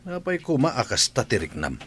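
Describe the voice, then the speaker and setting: A man voicing a calm husband who teases and reasons with his wife. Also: medium pitch, brisk, breathy edge, heavily acted. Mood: teasing.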